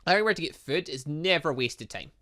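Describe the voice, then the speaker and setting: A man's voice: on the high side, lively intonation, a little fast, sharp tone. A man reading the part of a brash, teasing young female student in a visual novel game, breezy and know-it-all. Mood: explaining.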